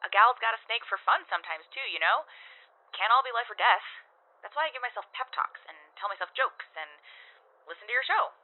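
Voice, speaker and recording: A woman's voice: a little high, animated, a little fast. A woman playing a plucky, self-conscious young working gal in an audio drama, rambling chattily through a radio or telephone filter. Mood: playful, plucky. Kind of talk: full-cast audio drama acting. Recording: tinny, phone-like radio message.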